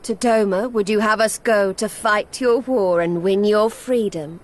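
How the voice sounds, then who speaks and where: An actress playing a proud, blunt, battle-loving tribal warrior in a fantasy game, with formal, declarative speech. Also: female voice, medium pitch, measured pace, close to an everyday voice. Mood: proud, challenging. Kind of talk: archaic fantasy game dialogue.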